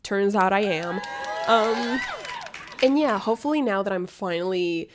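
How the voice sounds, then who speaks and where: A woman's voice: mid-range voice, animated, unhurried, a crowd in the background, noisy background. Chatty young woman, congested and nasal. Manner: chatty, rambling, affectionate, laughs often. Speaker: booktuber vlogger. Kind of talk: casual life update vlog.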